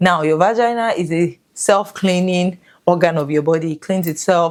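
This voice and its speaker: With a Yoruba accent, a woman speaks at a moderate pace in a fairly low voice with ordinary pitch variation. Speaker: lifestyle vlogger. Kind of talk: casual advice talk.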